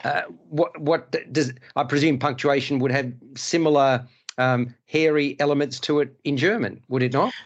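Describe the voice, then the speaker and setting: A man's voice: mid-range voice, moderate pace, highs cut off. A middle-aged man whose first language is Hungarian, hosting a casual film-review panel and rambling through restarts and digressions. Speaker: podcast host.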